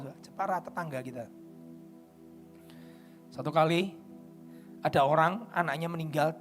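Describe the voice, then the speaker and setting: A man with a Javanese accent preaching a sermon at a church service. He tells stories, moving between quiet narration and loud, emphatic declarations. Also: a little high. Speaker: pastor. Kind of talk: sermon with storytelling.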